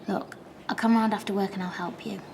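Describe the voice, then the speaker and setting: An actress in a TV drama playing a calm, sensible woman doctor who speaks reasonably. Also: mid-range voice, a little fast, creaky, background noise, natural voice. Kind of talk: TV drama acting.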